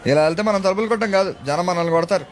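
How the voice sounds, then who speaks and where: An actor plays a nervous sidekick in a film comedy, grumbling about their plan. His voice is high and quick. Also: lightly acted. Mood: worried. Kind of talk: Telugu film comedy acting.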